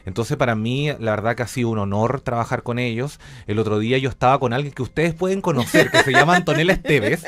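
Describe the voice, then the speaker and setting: A man's voice: medium pitch, fast talker, hardly any pauses, a bit bright, dry recording. A middle-aged man with a Chilean accent, talking conversationally as an interview guest and explaining his work reflectively. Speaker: interview guest, journalist and radio theatre director.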